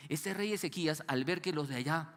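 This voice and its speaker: A man's voice: a little high, a little fast, fairly bright tone, long reverb tail. A man preaching a sermon as pastor, asking the congregation to call out the missing words. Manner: asks the congregation to fill in words. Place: church hall.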